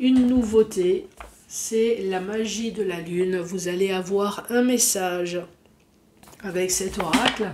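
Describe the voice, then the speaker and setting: A woman's medium-pitched voice at a very slow pace, with fairly even intonation, long, frequent pauses, and noticeable background noise. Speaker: tarot card reader. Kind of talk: tarot reading. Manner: halting.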